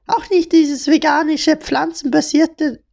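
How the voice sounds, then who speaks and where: A woman's voice: high-pitched, steady tone, a little slow, vocal fry, darkish tone. A young woman from Hamburg hosting a casual, joking podcast chat with a friend. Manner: playful, joking, slang-heavy. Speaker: podcast host.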